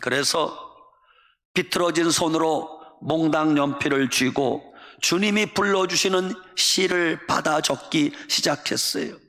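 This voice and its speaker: A man's voice: on the high side, unhurried, a bit bright, big-room sound. A man preaching a sermon as pastor, earnest and emphatic, building his points through short repeated phrases.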